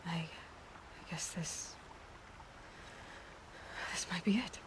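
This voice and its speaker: A woman playing a brave, earnest young tribal warrior in a video game, speaking in a hushed, halting way. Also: on the low side, whispered. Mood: resolute, sorrowful. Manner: hushed, breathy, halting delivery. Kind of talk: cinematic video game acting.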